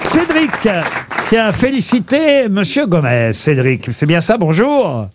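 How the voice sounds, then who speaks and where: A man's voice: sits high, very animated, slow, a crowd in the background. A man hosting a radio call-in show, joking and teasing the callers. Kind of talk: casual call-in radio banter. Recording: radio broadcast with background noise.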